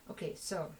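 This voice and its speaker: A woman giving a casual tarot reading, talking fast and rambling with plenty of fillers. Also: a little mellow, a little hiss or hum, low-quality recording. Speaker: tarot reader.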